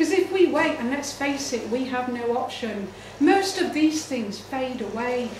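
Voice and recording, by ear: Audible room echo surrounds a woman speaking at a fairly slow pace, her fairly high pitch showing ordinary variation.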